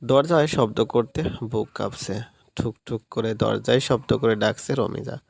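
A man narrating a romantic story in steady, scripted audiobook style. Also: mid-range voice, normal speed, vocal fry, no echo.

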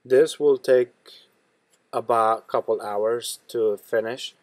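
A man hosting a step-by-step tech tutorial in a plain, steady instructional manner. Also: medium pitch, slow, no room sound. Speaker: tutorial host.

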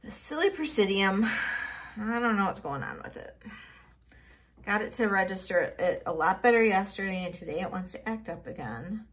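A middle-aged woman casually showing off vintage jewelry finds, thinking aloud and trailing into soft mutters as she tests stones. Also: mid-range voice, lively intonation, moderate pace, slightly rough. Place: home office at a table.

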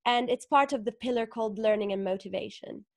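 A woman's voice: fairly high pitch, a little fast, no echo. A woman, a guest author talking thoughtfully on a video call, with many fillers and rhetorical questions. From northern Italy. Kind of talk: conversational interview on a video call. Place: small room indoors. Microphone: video call webcam.

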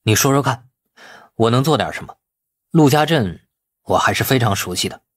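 A man's voice: medium pitch, expressive, normal speed, close to an everyday voice. A man voicing a shrewd, eager young man in an urban audiobook, deferential yet self-assured. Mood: composed, probing.

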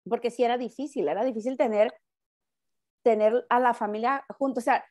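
A middle-aged Mexican woman chatting as a guest on a radio talk show, with a loud voice that sounds almost like shouting, often restarting and repeating her words. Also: fairly high pitch, steady tone, fairly quick. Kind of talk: casual chat.

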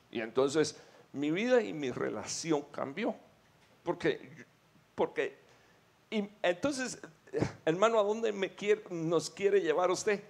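A middle-aged man preaching a sermon fervently, telling of his own experiences and calling listeners brother. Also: on the high side.

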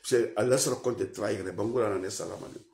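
A man's voice: fast talker, slight background noise. Impassioned Guinean man in an echoey room. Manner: swings between loud outbursts and low mutters; mixes French with a local language. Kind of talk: impassioned radio-style rant.

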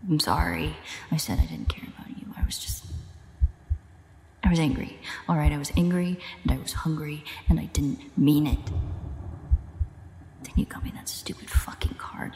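A woman playing a frantic, foul-mouthed female vampire in an audio roleplay, speaking haltingly and often dropping into breathy half-whispers. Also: sits low, a little mellow. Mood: pleading, remorseful. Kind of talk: audio roleplay, intimate dramatic monologue. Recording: echoey reverberant sound, storm noise behind.

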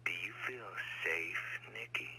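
An actor playing a menacing anonymous caller in a video game, slow and threatening, through a processed phone line. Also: male voice, low-pitched, bright, forceful tone, breathy edge, exaggerated voice. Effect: disguised voice over phone.

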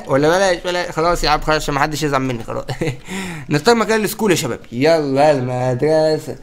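A young man with an Egyptian accent giving excited let's-play commentary, often exclaiming and laughing. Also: fairly high pitch, quick pace. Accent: Egyptian Arabic. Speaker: gaming YouTuber.

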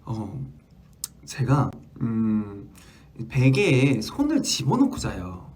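A man in his twenties hosting a casual livestream, reading fan stories aloud with an animated, jumpy manner. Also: mid-range voice, takes it slowly. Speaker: idol livestream host.

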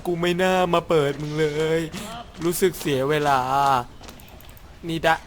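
A young man with a slightly high, fairly even voice speaks a little slowly over faint hiss or hum. He's a gaming YouTuber commentating a horror game in Thai, rambling to himself with crude jokes. He plays at being brave but yelps whenever something startles him.

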